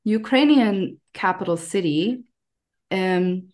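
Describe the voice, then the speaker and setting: A woman with an American accent chatting casually as a podcast guest, telling personal stories in an animated way. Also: medium pitch, slow. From United States. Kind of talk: casual conversational storytelling.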